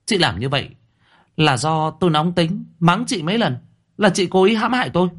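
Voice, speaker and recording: A man's voice: medium pitch, sing-song, slow, darkish tone, pitched above the performer's own voice. A man voicing a spoiled, scheming teenage girl who whines and coldly blames others. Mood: accusing. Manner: whiny, then cold and accusing.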